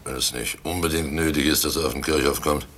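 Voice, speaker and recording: An actor in a German radio play, playing a guilty, domineering and slyly jovial village innkeeper with a gravelly voice. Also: male voice, a bass voice, fairly even intonation, quick pace, fairly bright tone, a little hiss or hum. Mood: falsely jovial.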